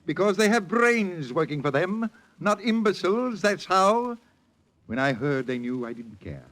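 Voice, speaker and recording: An imperious studio boss. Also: male voice, high voice, sing-song, a little slow, fairly bright tone, full character voice. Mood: scornful. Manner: scornful, threatening. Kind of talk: 1940s radio acting.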